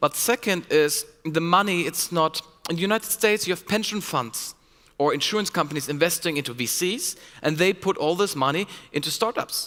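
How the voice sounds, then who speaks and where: A high-pitched man's voice with a German accent, at a fairly quick pace. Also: ordinary pitch variation. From Germany. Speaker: venture capital investor. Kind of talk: conference Q&A answer. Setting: conference stage with audience.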